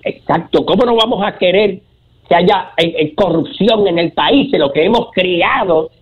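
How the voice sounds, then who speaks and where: A man's voice: high voice, normal speed, crowd noise, lightly acted. A man playing an indignant old man with a Puerto Rican accent, theatrical and crude in a comic monologue. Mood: ranting. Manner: theatrical, crude, insult-spouting. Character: indignant old man ranting with moral outrage. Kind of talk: comic character monologue in a talk show. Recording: dull, lo-fi sound.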